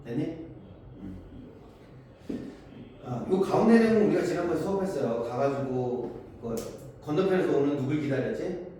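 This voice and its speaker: Speaking at a normal speed with long pauses, a man with a warm, slightly high, animated voice teaches Korean poetry. He questions his students and supplies the answers himself while explaining the poems. It was recorded from afar in an echoey room with faint noise.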